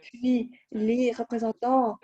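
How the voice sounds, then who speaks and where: A woman's voice: a little high, little pitch movement, slow, dark tone, husky. A woman interpreting a video conference live into French, with some hesitations and restarts. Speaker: simultaneous interpreter. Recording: dull lo-fi online audio.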